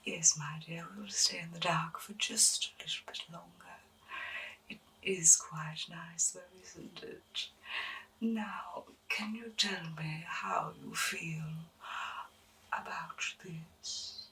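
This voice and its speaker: A woman playing an eccentric, doting and gently menacing doctor in a breathy, whispered ASMR medical roleplay, with soothing, genteel endearments. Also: fairly low pitch, slow, recorded from a distance, a little hiss or hum, heavily acted, low-quality recording. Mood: soothing, intrigued.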